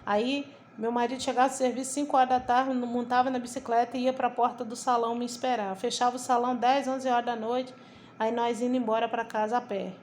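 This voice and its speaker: A woman's voice: a little high, a little fast, slight background noise. A middle-aged woman with a Brazilian Portuguese accent giving a personal faith testimony, telling it vividly and acting out the quoted dialogue. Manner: lively storytelling, acts out quoted dialogue, repeats herself. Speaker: testimony speaker.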